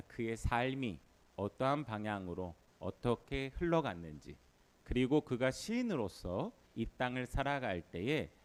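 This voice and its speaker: A man's voice: mid-range voice, darkish tone. A man preaching a Sunday sermon as pastor, leading the congregation in call-and-response. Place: church sanctuary during worship.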